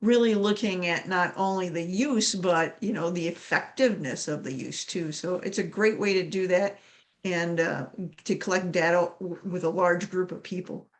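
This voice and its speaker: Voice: mid-range voice, moderate pace. A speaker in a webinar reading chat comments aloud in a conversational, relaying way.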